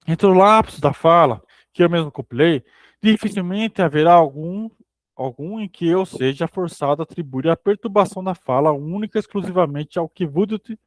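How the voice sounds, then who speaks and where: A man reading a philosophy book aloud for a study group, steady but sometimes stumbling and rereading phrases. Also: high-pitched, dry recording.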